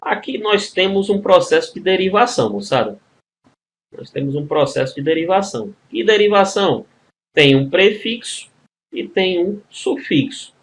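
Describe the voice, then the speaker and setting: A male grammar teacher with a Brazilian Portuguese accent, voice sitting a little high, explaining exam questions step by step. He keeps checking in with his students as a group while he works through each rule. A faint hiss of noise sits behind him. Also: expressive, moderate pace. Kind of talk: recorded exam-prep video lesson.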